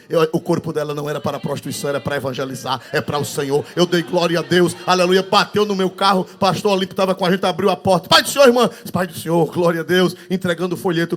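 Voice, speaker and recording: An older man preaching a sermon with a Northeastern Brazilian accent, fervent, calling out hallelujahs and swinging between loud and hushed. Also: high-pitched. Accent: Northeastern Brazilian Portuguese. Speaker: pastor.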